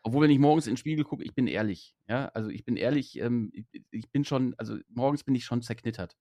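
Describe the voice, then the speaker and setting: A man's voice: medium pitch, quick pace, dark tone, dry recording. A man in his forties from the Ruhr area, a driving instructor who is the guest of a casual chat, talkative and full of dry sarcastic jokes. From Ruhr area, Germany. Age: 40s.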